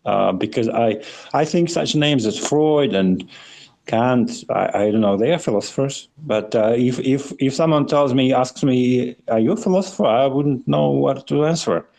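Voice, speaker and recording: A man co-hosting a podcast, chatting in a casual, rambling way with halting, hesitant phrasing and repeated words. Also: medium pitch, gravelly, darkish tone. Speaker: podcast co-host.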